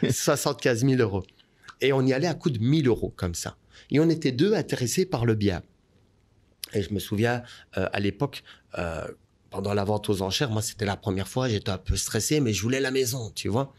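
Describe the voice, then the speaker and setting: A man, a guest telling a personal story in an interview, his voice rising as the story builds. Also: a little fast. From Belgium. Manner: animated storyteller, rising pitch as the story heats up.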